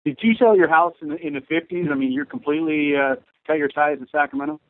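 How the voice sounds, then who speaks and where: A man's voice: on the high side, fast, no room sound. A man working as a sports reporter, asking wordy, hesitant questions on a media conference call. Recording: tinny phone conference line.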